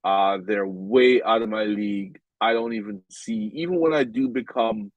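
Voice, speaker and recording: A man's voice: lowish voice, moderate pace, no echo, highs cut off. A man with a stuffed-up, nasal voice giving casual game commentary in a rambling way, with many ums and restarts. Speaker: game vlogger.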